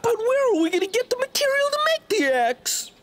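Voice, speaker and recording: A voice actor playing an excitable, goofy younger brother bear in a cartoon. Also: extremely high pitch, a little fast, a little hiss or hum, exaggerated voice. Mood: excited. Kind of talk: cartoon voice acting. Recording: loud music behind voice. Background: music.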